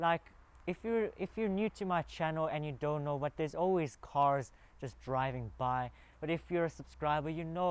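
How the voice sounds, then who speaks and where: A man with a fairly high pitch talks at a fairly quick pace with ordinary pitch variation. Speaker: car reviewer YouTuber. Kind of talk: product review tutorial. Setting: in own room. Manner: loud. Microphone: wireless lavalier mic, new.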